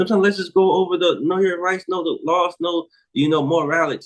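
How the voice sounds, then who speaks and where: At a fairly quick pace, a man is talking. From USA. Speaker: author. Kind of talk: interview.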